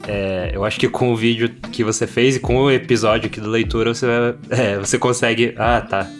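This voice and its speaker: A man's voice: medium pitch, steady tone, a little fast. A man with a Brazilian accent chatting casually as a podcast co-host, informal and loosely improvised. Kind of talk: casual chat. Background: instrumental guitar music.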